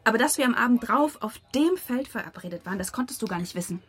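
A woman's voice: a little high, lively intonation, fast talker, a bit bright, slightly rough. A woman playing a resentful activist who confronts a friend, speaking in a pointed, accusing way in radio drama dialogue.

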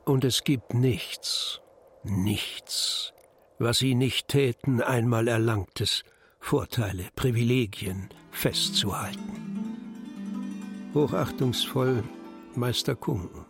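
A bitter, formal letter writer in a radio play, his voice husky and slow. Faint guitar music sits behind the recitation. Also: mid-range voice. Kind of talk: literary radio drama recitation.

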